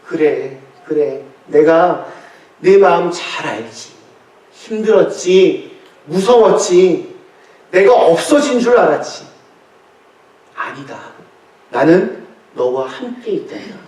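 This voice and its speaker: A man pastor voicing a gentle, comforting risen Jesus, slow, soft and soothing. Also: on the high side, lively intonation. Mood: tender comfort. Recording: echoey church, voice from far off.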